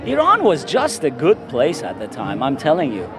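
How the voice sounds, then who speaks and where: A man's voice: fairly high pitch, wildly swooping pitch, normal speed, crowd noise. An older man with a Persian accent speaking earnestly in an interview. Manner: earnest, heartfelt. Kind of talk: emotional interview.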